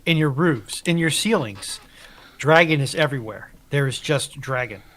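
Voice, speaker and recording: A man putting on a slow, eerie voice for an all-pervading presence that speaks of itself in the third person. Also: mid-range voice, animated, fairly bright tone, voice pushed up, lightly acted. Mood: creepy. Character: ominous all-pervading lurking presence, male.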